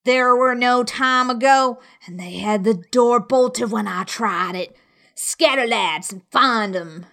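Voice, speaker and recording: A woman voicing a furious, domineering blind old pirate man who shouts orders in an audiobook. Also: on the high side, slow, vocal fry, heavily acted. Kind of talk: dramatic audiobook character voice.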